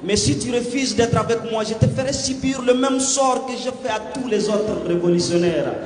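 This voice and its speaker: A man's voice: extremely high pitch, moderate pace. A man performing slam poetry in a rhythmic, declamatory delivery. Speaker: slam poet. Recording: long hall reverb with music underneath.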